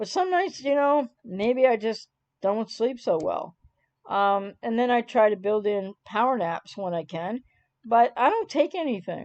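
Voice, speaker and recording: Speaking fairly slowly, a woman uses a fairly high pitch and lively intonation, the sound dry and close with no echo. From Canada. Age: 60s. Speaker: relationship recovery coach. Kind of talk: live stream Q&A. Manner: conversational.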